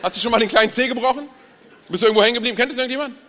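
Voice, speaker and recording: High bright young man preaching in a hall. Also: racing. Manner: energetic, chatty, tells jokes. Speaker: guest preacher. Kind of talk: sermon. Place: large church hall with audience.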